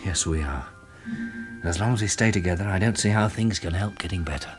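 An actor playing a practical, steady survivor and husband in a 1960s British radio drama, speaking calmly and matter-of-factly with a British accent. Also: male voice, low-pitched, a little fast, lightly acted. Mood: grave, reassuring. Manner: calm, reassuring, matter-of-fact. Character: practical, steady male survivor and husband in post-apocalyptic Britain. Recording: 1960s radio drama recording, music behind.

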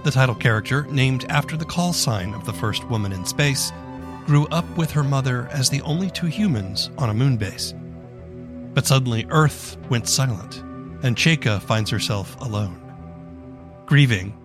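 A man speaking as a podcast host and interviewer, presenting and asking questions in a conversational interview show. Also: medium pitch. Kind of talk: scripted introduction and conversational interview.

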